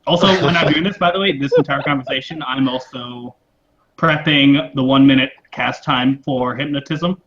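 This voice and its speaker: A man's voice: mid-range voice, normal speed, fairly bright tone. A man playing a tabletop game character, talking casually and a little sheepishly. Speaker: player. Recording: dull lo-fi mic.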